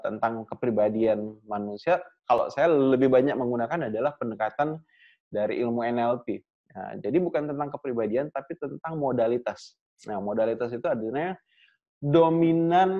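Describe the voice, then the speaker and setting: A man's voice: medium pitch, dull audio. A man who is a communication coach answers audience questions in a class, explaining at length, often checking in with "ya" and "nah" and pushing his voice up on key words. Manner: emphatic rises on key words.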